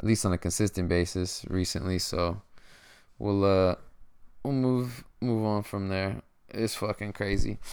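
A man's fairly low voice with ordinary pitch variation, fairly slow and broken by long, frequent pauses, on a very clean recording with a silent background. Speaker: podcast host. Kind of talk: casual solo monologue. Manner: animated.

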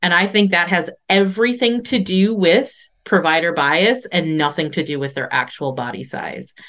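A woman speaks at a moderate pace with an American accent and lively intonation. She has a normal speaking voice. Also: fairly low pitch for a woman. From United States. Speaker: doula and childbirth educator. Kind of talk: interview.

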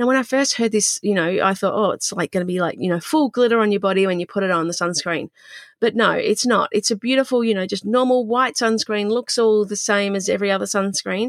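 Speaking very fast in an Australian accent, a woman uses medium pitch and ordinary pitch variation. The sound is dry and close with no echo, on a very clean recording with a silent background. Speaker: business coach and podcast host. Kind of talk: solo podcast monologue, business advice.

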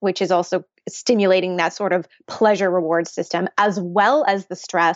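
This woman uses a plain, everyday voice at medium pitch, with ordinary pitch variation and a moderate pace. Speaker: holistic nutritionist and coach. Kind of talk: explanatory interview.

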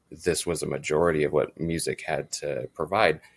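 The sound is dry and close, without any echo. A man speaks at a moderate pace. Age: 30s. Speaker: artist. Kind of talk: casual chat. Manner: halting.

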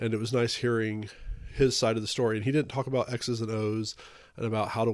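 An unremarkable speaking voice comes through with fairly even intonation. The recording is very clean, with a silent background. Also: man. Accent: American. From Texas. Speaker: podcast host, author. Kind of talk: solo monologue, book recommendations.

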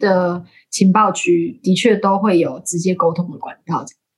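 The delivery comes at a fairly slow pace, somewhat breathy, with ordinary pitch variation. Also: woman. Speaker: air traffic controller. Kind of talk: casual chat.

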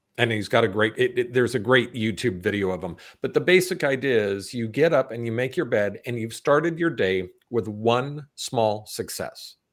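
A man's normal speaking voice at medium pitch, moderate pace and lively intonation. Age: 50s. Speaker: author and entrepreneur. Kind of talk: interview. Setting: video call.

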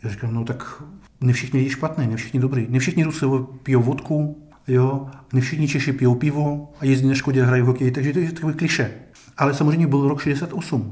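A man with a Russian accent speaks at a fairly quick pace in a fairly high, somewhat breathy voice of dark, mellow tone, his intonation fairly even and the room echo audible. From former Soviet Union, Russian-speaking. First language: Russian (speaking Czech). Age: 50s. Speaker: immigrant resident. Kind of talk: interview.

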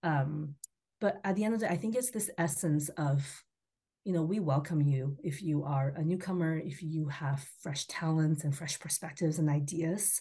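A woman with an American accent has a very deep, low pitch and a dark, mellow tone, with a somewhat breathy voice. She talks at a moderate pace with ordinary pitch variation against a quiet background. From China, then United States. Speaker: city councillor. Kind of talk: interview. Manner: halting, many fillers.

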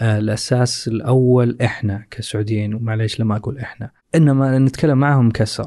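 A man talks with a dark, mellow tone and fairly even intonation. The background is quiet. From Saudi Arabia, Riyadh. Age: 30s. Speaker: interviewee sharing his life story. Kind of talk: interview.

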